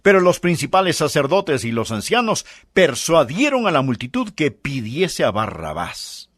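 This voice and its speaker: A man's voice: fairly high pitch, very animated, normal speed, dry recording. A man preaching a sermon, pressing the listeners with emphatic rhetorical questions.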